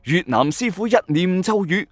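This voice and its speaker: A man's voice: sits high, lively intonation, normal speed, dry recording, studio quality. A man with a Hong Kong Cantonese accent hosting and narrating a dramatic, suspenseful late-night ghost story in a colloquial way, with exclamatory asides. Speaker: host of a ghost story audio channel. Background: background music.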